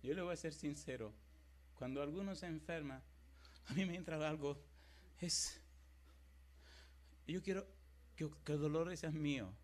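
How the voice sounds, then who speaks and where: A middle-aged pastor preaching a sermon, moving between loud, emphatic declarations and quiet, tender storytelling. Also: male voice, fairly high pitch, moderate pace, pauses often. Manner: dramatic preaching that swings from loud exclamations to hushed storytelling.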